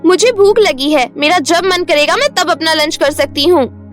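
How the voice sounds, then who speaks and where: A woman's voice: normal speed, soft background music. Woman playing a bratty spoiled schoolgirl. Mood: sulky. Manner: sassy, high-pitched taunting.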